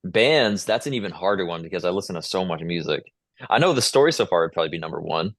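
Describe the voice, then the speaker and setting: Low-pitched young man, casual and slangy. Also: expressive, quick pace, no echo, clean studio sound. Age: 20s. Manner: informal, slangy, peppers talk with "dude" and "like". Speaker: podcast guest, musician. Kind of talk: casual interview chat.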